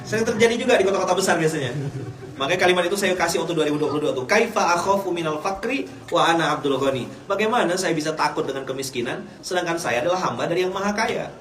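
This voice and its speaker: Joking Indonesian preacher in a roomy hall. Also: male voice, on the high side, very fast, a bit bright. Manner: jokey, teasing, asks the crowd questions. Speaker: Islamic preacher. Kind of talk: humorous sermon to a live audience. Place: hall in Japan.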